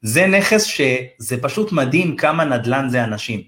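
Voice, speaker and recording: A man from Israel's Ethiopian community, a real estate advisor, telling a story in a loose, slangy, animated way and acting out the dialogue. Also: medium pitch. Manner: animated, acts out quoted dialogue in raised voices; loose, slangy, addresses listener as bro. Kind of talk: casual storytelling in a podcast interview.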